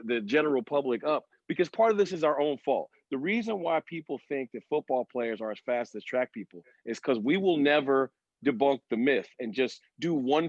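A man's voice: medium pitch, no room sound, dull audio. A man in a casual sports panel chat, telling stories and explaining his points emphatically with frequent check-ins to his listeners. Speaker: former sprinter and decathlete on a sports talk panel.

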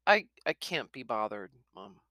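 A woman reading aloud, giving the lines of a shaken twelve-year-old boy in a quiet, reluctant voice close to her own. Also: a bass voice, sing-song, a little slow, no room sound, full character voice. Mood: withdrawn.

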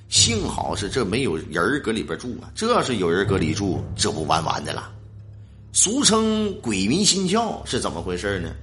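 A man's voice: mid-range voice, sharp tone, a little hiss or hum. A man telling a ghost story in a colloquial, dramatic way.

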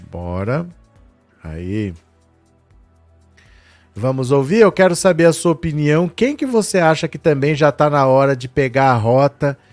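A man's voice: mid-range voice, a little mellow, no echo. A man hosting a live show, teasing and upbeat, inviting listeners' voice messages. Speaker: host of a live political show, called professor.

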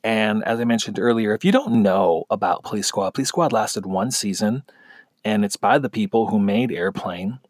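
A man's voice: on the low side, expressive, normal speed, no echo, clean studio sound. A man giving a casual spoken film review, chatty and conversational, with frequent fillers and restarts.

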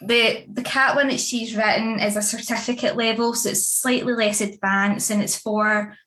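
A woman's voice: a little high, fairly even intonation, moderate pace, crowd noise. A woman chatting casually in an interview, with many fillers and frequent laughs. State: pregnant. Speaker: dog grooming academy founder and author.

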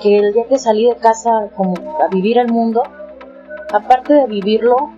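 A woman's voice: on the high side, steady tone, normal speed. A Mexican woman, the guest, telling anecdotes in a chatty way, full of fillers. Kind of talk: casual storytelling chat. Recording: dull lo-fi audio with faint music.

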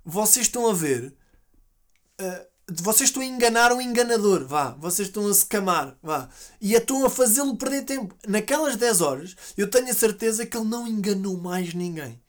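A man's voice: high-pitched, lively intonation, fairly quick. Male podcast host, European Portuguese accent, casual slangy storyteller who acts out quotes.

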